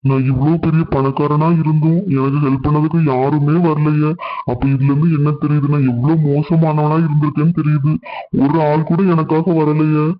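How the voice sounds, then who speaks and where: A man's voice: fairly high pitch, a little hiss or hum, natural voice. A man voicing a rich, proud jeweler in a Christian cartoon, wailing and pleading. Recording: dull lo-fi sound.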